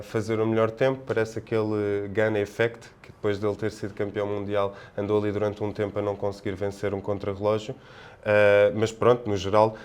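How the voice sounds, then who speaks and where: Man, European Portuguese accent, lowish clean smooth voice, podcast panelist, casual sports analysis, halting and discursive. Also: darkish tone.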